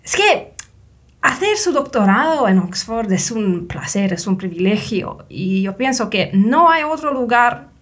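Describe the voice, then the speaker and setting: A woman's voice: fairly high pitch, sing-song, a little slow. Woman from Finland speaking a learned language. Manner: careful, non-native, self-correcting. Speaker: guest. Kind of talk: conversational interview.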